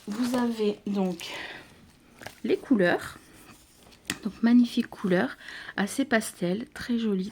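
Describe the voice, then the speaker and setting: Slow, hesitant woman crafting vlogger. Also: mid-range voice, darkish tone. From France. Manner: hesitant, many fillers and restarts. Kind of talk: casual unboxing narration.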